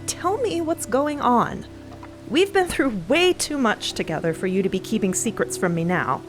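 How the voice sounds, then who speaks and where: A woman's voice: on the high side, big pitch swings, moderate pace, soft background music. A woman playing an exasperated, intense female space explorer in an audio drama, blunt and emphatic. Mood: demanding.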